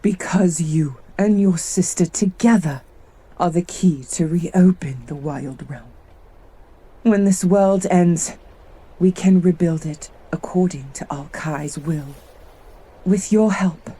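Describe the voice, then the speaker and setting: A woman's voice: fairly low pitch, takes it slowly, dark tone, husky. A woman playing a grave, wise tribal leader in a fantasy audio drama, speaking with dramatic deliberation. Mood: resolute.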